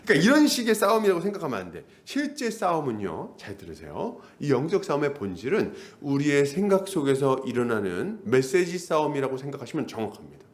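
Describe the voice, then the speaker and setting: A male pastor preaching a sermon, lively and conversational, often asking the congregation questions. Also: on the high side, fairly quick, few pauses. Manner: animated, acts out voices, asks the congregation questions.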